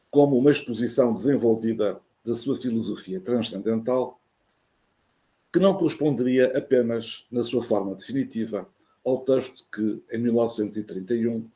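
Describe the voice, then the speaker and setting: Over a video call, a man with a European Portuguese accent delivers a formal academic lecture from a prepared text, in the careful, measured manner of a university professor. His mellow mid-range voice falters with hesitations whenever he speaks off the script.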